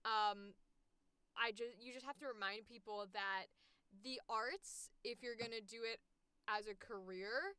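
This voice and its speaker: A woman who works as a voice actor, chatting casually on a stream in an animated, emphatic, frank way, close to the microphone. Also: a little high, a little slow, smooth, dry recording, poor audio. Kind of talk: casual chat.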